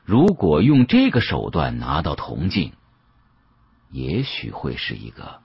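A man's voice: extremely low pitch, wildly swooping pitch, takes it slowly, creaky, husky, no room sound, highs cut off. A man narrating an audiobook as a dramatic storyteller.

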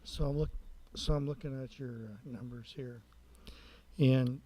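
A man with a mellow, relaxed voice at a medium pitch speaks as a council member in a public meeting. He questions in a halting way, often starting a sentence again in new words. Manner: halting, rephrases mid-sentence.

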